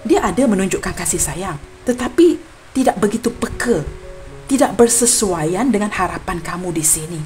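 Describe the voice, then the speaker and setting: Young Malaysian woman, Malaysian Malay accent, mid-pitched, earnest tarot reader addressing her audience, faint music underneath. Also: lively intonation, normal speed. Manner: earnest and apologetic, addresses viewers warmly as friends. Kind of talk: tarot reading monologue to viewers.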